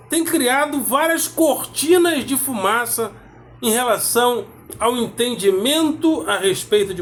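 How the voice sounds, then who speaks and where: A man lecturing on philosophy, measured and emphatic, repeating key words for weight. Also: very high-pitched, fairly bright tone, a little hiss or hum. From South America. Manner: measured, emphatic repetition with pauses. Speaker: philosophy teacher. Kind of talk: explanatory lecture.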